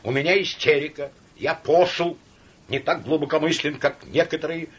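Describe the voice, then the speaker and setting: A man voicing a young male official who is hysterical and indignant, in shrill shouting outbursts. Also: very animated, normal speed, gravelly, slightly rough, heavily acted.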